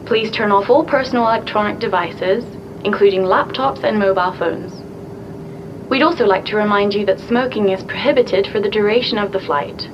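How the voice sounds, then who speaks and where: Woman doing a polite flight attendant, formal announcements, kinda muffled, rumble behind. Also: brisk, natural voice. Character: female flight attendant making cabin announcements. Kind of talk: scripted English-lesson dialogue. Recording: muffled sound with clear background rumble.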